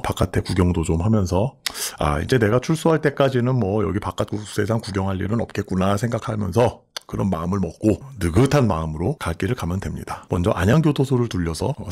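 A middle-aged man, hoarse from a cold, telling stories to viewers in a blunt, chatty way into a studio mic. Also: lowish voice, darkish tone. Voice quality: gravelly, husky. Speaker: channel host sharing prison life stories. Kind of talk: casual storytelling monologue. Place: small studio, indoors. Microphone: large studio mic on a stand.

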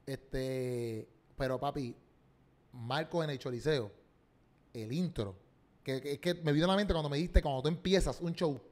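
A young man with a Puerto Rican accent, a Christian comedian chatting on a podcast in slangy, animated storytelling that acts out quotes. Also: medium pitch, a little slow. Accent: Puerto Rican Spanish. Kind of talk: casual podcast chat.

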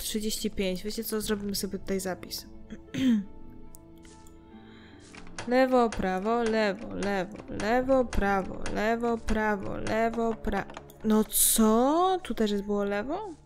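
A young woman talks through a game in an easygoing, chatty way, muttering to herself as she works through it. Her voice sits mid-range, with faint game music underneath. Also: medium pitch. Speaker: gameplay streamer. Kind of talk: casual let's-play commentary.

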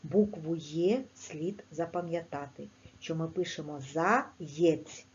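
A woman teaching young children a language lesson, speaking clearly in a sing-song teacher manner with a Ukrainian accent. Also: lo-fi sound, slight background noise. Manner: slow, clear, sing-song teacher talk with lively pitch. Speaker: primary school teacher.

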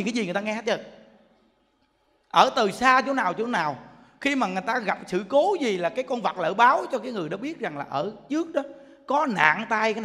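A man's voice: extremely high pitch, a bit bright. A man giving a humorous Buddhist sermon, telling stories and imitating animal sounds. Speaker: Buddhist monk teacher. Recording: long hall reverb.

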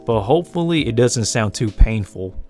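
A young American man with a deep voice and a slight Asian-tinged accent, giving relaxed, rambling, self-deprecating voice-over commentary for his hobby video. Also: moderate pace. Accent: American, with an Asian lilt he notes himself. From United States. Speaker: tarantula breeder and channel host. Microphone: voice-over recorded separately from the pictured footage. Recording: voice-over with faint background music. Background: soft music underneath.

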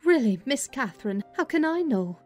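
A woman's voice: high-pitched, very animated, moderate pace, a little mellow, soft background music, pitched above the performer's own voice. A woman voicing a dry, disapproving female servant in a dramatised classic novel, blunt and sceptical. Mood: blunt, exasperated. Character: dry, disapproving female servant questioning her young mistress.

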